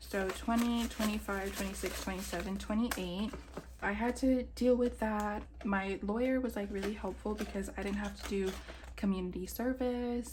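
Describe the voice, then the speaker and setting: Room echo is audible and background noise is noticeable while a woman talks at a moderate pace. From Hawaii, Honolulu. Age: 20s. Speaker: budgeting youtuber. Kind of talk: casual vlog chat while counting cash.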